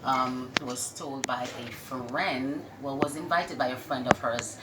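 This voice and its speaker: A woman's voice: extremely low pitch, takes it slowly. A woman telling her story casually as an interview guest, recorded in an echoey, noisy space. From Jamaica. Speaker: restaurant owner, interview guest. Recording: echoey room with loud-ish background noise.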